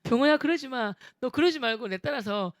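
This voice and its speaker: A man voicing a gentle, cheerful schoolboy who pleads softly and slowly while grinning through a fight. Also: very high-pitched, lively intonation, no room sound, clean studio sound. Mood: gentle pleading.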